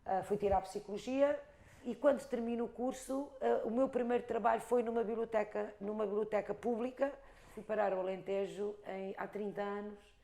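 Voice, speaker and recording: A Portuguese woman in her fifties from the Algarve, an expressive storyteller talking about her life and craft, with an Algarve accent. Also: mid-range voice, normal speed, vocal fry. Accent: European Portuguese, Algarve. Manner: expressive storyteller, rhythmic lists. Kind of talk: reflective interview talk.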